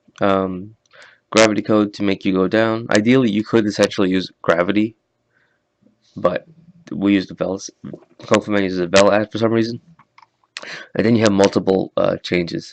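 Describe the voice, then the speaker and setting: The sound is dry and close, with no echo. The voice stays monotone and flat, broken by long, frequent pauses. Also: man, fairly low pitch for a man, moderate pace. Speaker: game modding tutorial maker. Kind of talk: screen-recorded coding tutorial.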